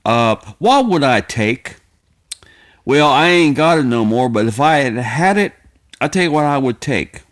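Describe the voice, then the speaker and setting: Halting, folksy middle-aged man. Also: medium pitch, lively intonation. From United States. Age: 50s. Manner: repetitive, halting, circling back over phrases; folksy, plainspoken. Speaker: video creator. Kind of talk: casual rambling vlog monologue.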